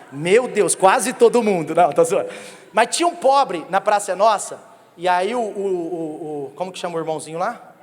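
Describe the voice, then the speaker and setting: A Brazilian man in his thirties preaching a sermon as pastor, telling humorous stories and joking with the congregation. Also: sits high. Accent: Brazilian Portuguese. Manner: humorous, animated storytelling that jokes with the congregation. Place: church sanctuary. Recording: long reverb of a church hall.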